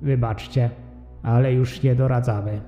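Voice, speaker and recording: A man acts out a sentient yogurt overlord for an audio drama. It sounds very dark and slow, calmly imperious and coldly superior, with muffled sound and a long cavernous reverb. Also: mid-range voice, natural voice. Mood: cool condescension. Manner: measured, formal, commanding. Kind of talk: audio drama character acting. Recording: muffled, long echoing reverb, faint music behind.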